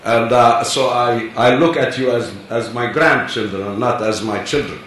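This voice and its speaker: This Palestinian man, in his seventies, speaks at normal speed in a medium-pitched, somewhat bright voice with fairly even intonation. He is giving an earnest personal speech on a conference panel, insistent in tone, inside a large hall. Echo, a distant mic and faint hiss mark the recording.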